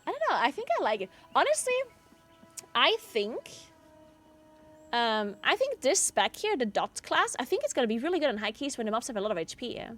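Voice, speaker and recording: Woman, game streamer, fairly high voice, relaxed chatty delivery, lots of fillers. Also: fairly quick, faint music behind. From South Tyrol, Italy. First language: German. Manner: chatty, answers chat, frequent "like" fillers. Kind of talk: casual chat while gaming.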